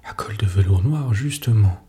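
A man's voice: on the low side, expressive, normal speed, dark tone, close to an everyday voice. A man reading the part of a distraught, insistent society lady who speaks breathlessly and emphatically. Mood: agitated, insistent.

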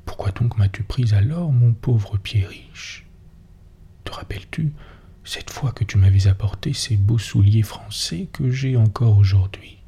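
A man in a whispered role-play, voicing a tender peasant wife who pleads softly with her husband. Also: fairly low pitch, a little slow, a little hiss or hum. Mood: pleading tender. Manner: soft whispered reading.

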